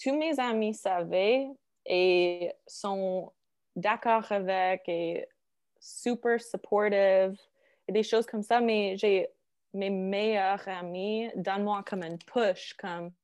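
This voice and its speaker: A woman, native English speaker, chatting casually in halting French with an English-speaking accent, searching for words and slipping into English. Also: mid-range voice, a little mellow, smooth. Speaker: interview guest.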